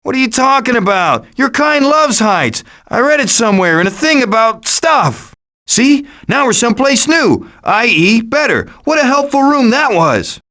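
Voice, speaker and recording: High-voiced cocky raccoon schemer RJ. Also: male voice, sing-song, moderate pace, bright, forceful tone, heavily acted. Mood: glib, sarcastic. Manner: sarcastic, glib, quippy. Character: wisecracking raccoon schemer, cocky male leader of foraging animals. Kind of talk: animated video game voice lines.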